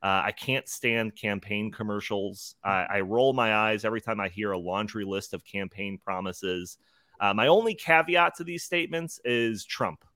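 A man's voice: on the low side, moderate pace, pushed and bright, no room sound. A man hosting a live podcast in an informal, joking, chatty way. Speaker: podcast host.

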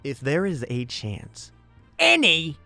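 A man's voice: a little high, wildly swooping pitch, slow, vocal fry, pushed and bright, dry recording, faint music behind. A man acting in a comedic audio drama, with a sardonic, grumbling delivery. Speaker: amateur audio drama actor.

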